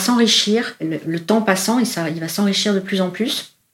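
This woman talks at a medium pitch and a fairly slow pace. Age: 40s. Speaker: permaculture trainer. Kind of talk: interview. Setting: rural village, in person. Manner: hesitant, many fillers.

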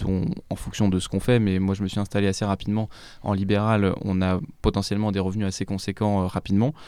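On a very clean recording with a silent background, a man speaks fairly quickly with fairly even intonation and a dark, mellow tone at a fairly low pitch. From Champagne, France. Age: 30s. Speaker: radiologist and property investor. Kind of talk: podcast interview.

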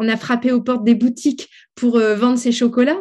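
Dark, mellow tone from a woman pitched fairly high. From northern France. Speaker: entrepreneur, association director. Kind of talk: interview.

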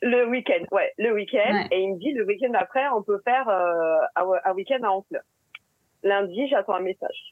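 Her voice fairly high, a woman speaks at a moderate pace. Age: 40s. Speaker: coaching program participant. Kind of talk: testimony. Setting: remote recording.

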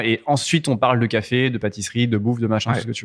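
A man at medium pitch in front of a quiet background. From abroad: USA and Caribbean (Saint-Barth, Dominican Republic). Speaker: coffee shop founder and barista. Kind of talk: casual interview. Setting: inside a coffee shop after closing.

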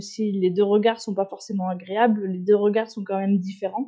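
A woman talks in an unremarkable speaking voice. Her pitch is medium and her intonation fairly even. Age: 20s. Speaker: school education counselor. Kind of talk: casual interview.

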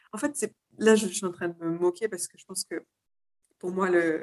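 A woman's plain, everyday voice at medium pitch and moderate pace, dry and close with no echo. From Mexico. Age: 30s. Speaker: yoga teacher and author. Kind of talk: casual interview chat.

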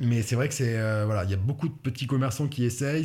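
A man's somewhat breathy voice, medium in pitch, runs at a very fast pace with fairly even intonation. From France, Angoulême (Charente). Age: 30s. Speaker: real estate agent. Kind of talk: podcast interview.

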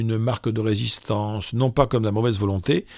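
Over a very clean recording with a silent background, a man speaks at a medium pitch. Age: 60s. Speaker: professor. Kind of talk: interview.

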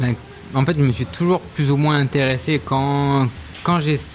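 A medium-pitched male voice with music in the background. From southern France. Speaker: pastry chef and instructor. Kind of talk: interview. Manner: halting, many repetitions and fillers.

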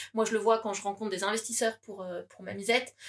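Recorded very cleanly against a silent background, a woman speaks. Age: 30s. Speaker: startup founder. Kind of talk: casual interview chat.

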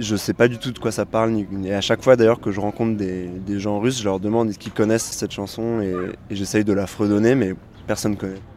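A man talks at a fairly quick pace with a monotone, flat intonation. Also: fairly low pitch for a man. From France, Russian father. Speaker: interviewee. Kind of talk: personal testimony.

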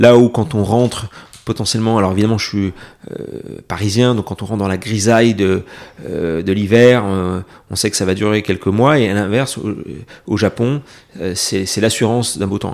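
A man's fairly low voice at a moderate pace, with fairly even intonation and long, frequent pauses. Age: 40s. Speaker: travel agency president. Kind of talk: interview. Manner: hesitant, many fillers and repetitions.

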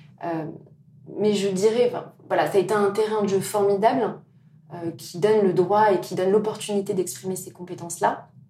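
Medium-pitched speech from a woman at a moderate pace, with fairly even intonation and big swings in loudness. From France (Belgian-born, moved at 5). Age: 30s. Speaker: fast-food chain executive. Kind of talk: interview conversation.

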